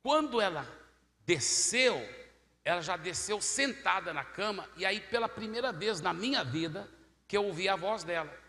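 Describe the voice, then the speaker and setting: A male pastor preaches in a bright, lively voice with a gravelly edge, acting out each voice in his story. He swings from loud to hushed. The sound rings through a large church hall over faint noise. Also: high voice, moderate pace. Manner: animated, acts out every voice, swings from loud to hushed. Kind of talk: preaching a sermon, telling a story.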